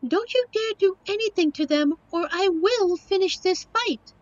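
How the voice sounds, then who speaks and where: A woman's voice: extremely high pitch, normal speed, dry recording, muffled recording. A woman playing a young, devoted succubus girlfriend in an audio roleplay, earnest, emotional and protective. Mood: stern, protective. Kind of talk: audio roleplay drama acting.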